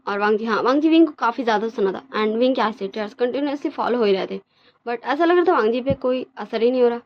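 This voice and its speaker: A woman's voice: fairly high pitch, lively intonation, fast talker, highs cut off. A woman host casually retelling a fan story, chatty and full of fillers, mixing in English words.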